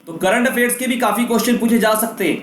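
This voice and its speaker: High-pitched coaching teacher, echoey room. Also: male voice, quick pace, fairly bright tone. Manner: mixes Hindi and English, lists questions in bursts. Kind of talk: exam-prep lesson. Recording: echoey room with faint noise.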